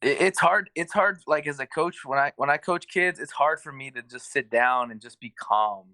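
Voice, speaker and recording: A man's voice: medium pitch, normal speed, bright, forceful tone, no echo. A man coaching youth basketball, chatting as a guest on a video call in an agreeable, explaining way. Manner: conversational, agreeable, explains with examples. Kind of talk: casual chat on a video call.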